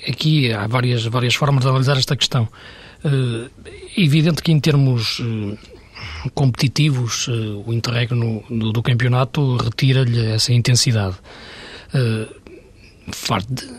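A man's voice: mid-range voice, breathy edge. A man, a football pundit arguing his points on a studio panel, hesitating and restarting often. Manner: hesitant, many restarts, argumentative.

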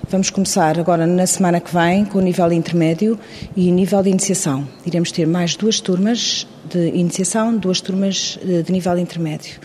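Woman, quick explanatory answers with many fillers, echoing room with faint noise. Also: on the low side, fairly even intonation, darkish tone. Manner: brisk, with frequent hesitation fillers. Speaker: immigrant support staff member. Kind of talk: interview answers.

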